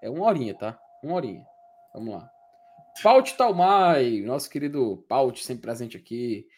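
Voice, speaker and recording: A man's voice: mid-range voice, lively intonation, a little fast, mellow, husky. A man co-hosting a casual chat, tired and joking in teasing banter. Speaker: podcast co-host.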